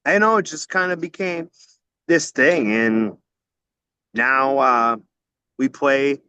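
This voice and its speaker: A man's voice: mid-range voice, takes it slowly, sharp tone, clear, resonant tone, dry recording, lo-fi sound. A man in his forties chatting loosely as a podcast guest, rambling and cursing casually. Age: 40s. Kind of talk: casual chat.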